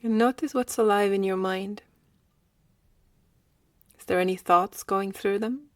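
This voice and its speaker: A woman leading a guided meditation in a slow, gentle manner with long pauses. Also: mid-range voice, dry recording.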